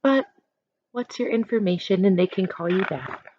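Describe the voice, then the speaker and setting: A woman teacher reading aloud to children, adding chatty instructive asides in an expressive manner. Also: medium pitch, moderate pace, muffled recording, slight background noise. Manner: expressive, instructive, acts out short examples.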